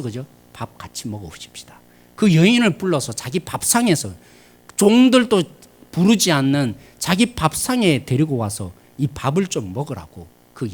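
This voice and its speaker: A Korean pastor, a man, preaching a midweek sermon in a church, animated and shifting between loud emphasis and quiet asides. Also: a little high, husky. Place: church sanctuary.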